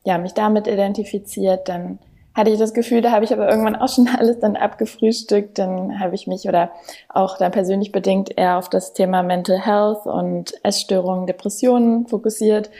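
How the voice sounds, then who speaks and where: Woman, twenties, mellow warm tone, casual rambling talk, podcast guest. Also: mid-range voice, fairly even intonation, brisk. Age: 20s. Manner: chatty, rambling with many fillers. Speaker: podcast guest, content creator. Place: remote, on a call from home city.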